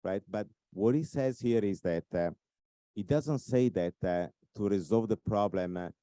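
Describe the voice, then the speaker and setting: A man with an Italian accent giving a conference talk, speaking in measured phrases with frequent fillers. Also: lowish voice, warm tone, no room sound. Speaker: invited speaker.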